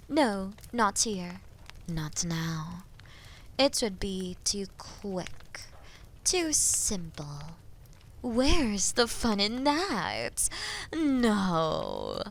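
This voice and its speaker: A woman playing a haughty, taunting female dragon in a fantasy audio drama, speaking deliberately and often dropping into breathy whispers. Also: mid-range voice, heavily acted. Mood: amused, scheming, then possessive. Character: haughty, menacing female dragon toying with captive knight. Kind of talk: slow, theatrical roleplay monologue in medieval fantasy audio drama.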